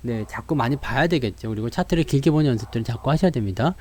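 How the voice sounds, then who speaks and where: A man's voice: mid-range voice, expressive, fast, warm tone, no echo. A man giving a live stock market lesson, acting out investors' worries and answering them while talking straight to viewers. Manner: addresses viewers directly with frequent fillers.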